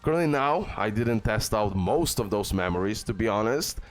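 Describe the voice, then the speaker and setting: A man's voice: on the low side, animated, normal speed, faint music behind. A man hosting a gaming video, giving casual, informal guide commentary peppered with bro and okay.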